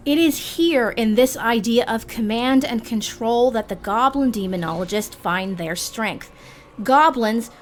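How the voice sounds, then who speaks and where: A woman hosting a guide series, reading scripted narration in a measured, theatrical manner with formal phrasing. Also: a little high, slight background noise. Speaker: host of a roleplay guide series.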